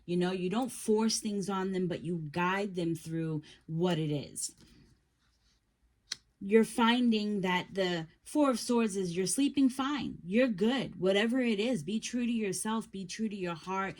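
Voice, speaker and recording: A woman giving a casual tarot reading, talking in a gentle, reassuring way and often halting with fillers and restarts. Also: medium pitch. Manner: gentle, reassuring second-person advice. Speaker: tarot reader.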